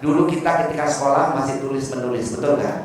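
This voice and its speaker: A man's voice: mid-range voice, fast talker, slight background noise. Joking man preaching in an echoey hall. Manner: lively, joking, asks the audience for agreement. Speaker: Buddhist Dhamma speaker. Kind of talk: sermon. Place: temple hall. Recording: echoey hall, distant mic.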